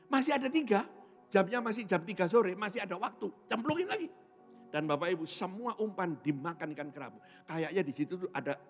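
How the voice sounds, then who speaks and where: A man from Indonesia, a pastor giving a sermon testimony, telling his story with lively swings between loud and soft and acting out other people's voices. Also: on the high side.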